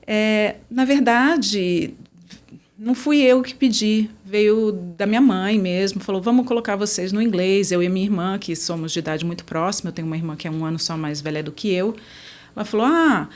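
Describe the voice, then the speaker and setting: Here a Brazilian woman who interprets at conferences talks on a podcast at a moderate pace and medium pitch. It's a casual interview, and she comes across as a chatty, warm, easygoing storyteller.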